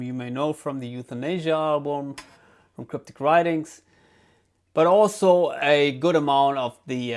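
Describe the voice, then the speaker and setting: A man with a German accent, a non-native English speaker, giving a casual album review with many pauses and fillers. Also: medium pitch. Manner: relaxed, hesitant, lots of ums and restarts. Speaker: guitar channel host.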